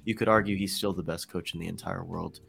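Male co-host with a lowish voice, earnest and detailed in casual chat. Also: steady tone, fast talker, gravelly, a bit bright, slightly rough. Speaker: podcast co-host.

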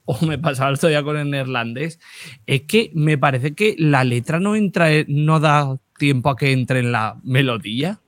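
A man's voice: mid-range voice, no room sound. A man on a podcast panel gives a hesitant opinion and thinks aloud as he talks. The recording is dry and close. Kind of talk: casual chat.

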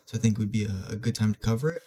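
Young male podcast host, congested nose, mellow dark tone, loose filler-heavy delivery. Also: fairly low pitch, racing. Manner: casual, many filler words and restarts. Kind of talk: solo self-improvement podcast talk.

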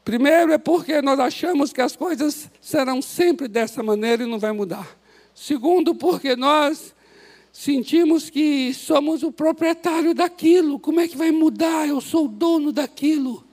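A male pastor with a Brazilian Portuguese accent, preaching an impassioned sermon that swings from loud exhortation to soft, prayerful pleading in a church. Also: very high-pitched, normal speed. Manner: impassioned, rises to shouts then drops to soft prayer. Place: church sanctuary.

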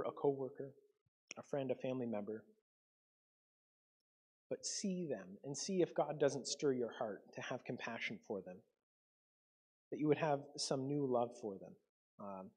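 A man's voice: mid-range voice, darkish tone, breathy edge. A man from Canada preaching a conversational sermon to his congregation, with frequent ums and self-corrections. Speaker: pastor.

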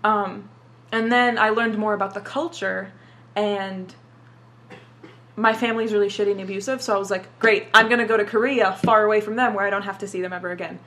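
With fairly even intonation and a fairly bright tone, her mid-range voice moves a little fast. She's a young adult who grew up in Dubai speaking Arabic first, and in this casual interview she swears freely and says "like" a lot.

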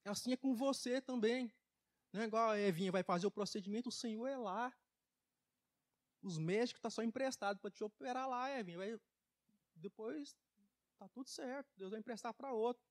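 A man preaching a folksy testimony sermon in church, emphatic, with loudness and pitch that swing widely. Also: brisk, long pauses. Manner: folksy, laughs at his own jokes. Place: church service.

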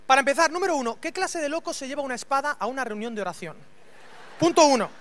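A man preaching a humorous, animated sermon and acting out scenes with voices. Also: extremely high pitch, fast talker. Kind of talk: storytelling sermon.

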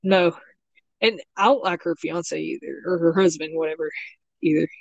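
A man's voice: on the high side, moderate pace, vocal fry, dry recording, lo-fi sound. A man speaking as a podcast guest in casual chat, hesitant and stammering, laughing a lot.

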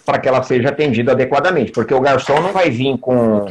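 Male host, husky voice, calm measured explainer. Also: mid-range voice. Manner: measured, explanatory, with filler pauses. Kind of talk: conversational interview.

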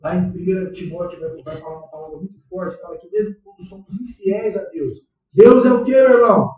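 A Brazilian pastor preaches in a loose, conversational way, tossing questions to the congregation. His voice sits high, and it bounces around a very echoey church. The mic is far off and dull. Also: fast, a little mellow. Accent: Brazilian Portuguese. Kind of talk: sermon.

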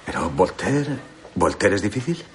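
A friendly history teacher chatting easily with a colleague. His voice is very low, with a faint hiss behind it. Dubbed film dialogue. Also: sing-song, normal speed. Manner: casual, collegial.

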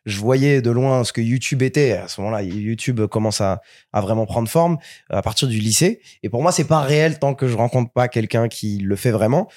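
A man's voice: mid-range voice, a little fast, dry recording. Talkative young French man, dry sound. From France. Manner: animated storyteller, repeats words as he restarts. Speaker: guest. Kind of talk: casual interview chat.

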